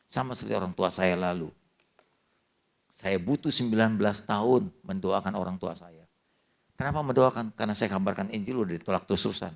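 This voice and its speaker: An older male pastor preaching with a fairly low voice. He tells a family story in lively dialogue and drops casual slang in among the formal words. The delivery stays lively and personal throughout. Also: fairly quick, vocal fry. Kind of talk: sermon.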